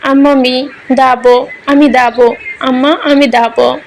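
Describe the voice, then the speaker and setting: A woman's voice: sits high, level tone, slow pace, gravelly, a little hiss or hum, exaggerated voice. A woman voicing a tiny grieving toddler girl who pleads for her mother in lisping baby talk, in a story reading. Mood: tearful pleading.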